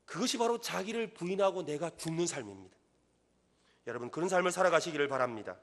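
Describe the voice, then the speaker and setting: A middle-aged man preaching a sermon as pastor in a church, earnest, rising to loud emphatic peaks. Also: on the high side, lively intonation, quick pace. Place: church sanctuary.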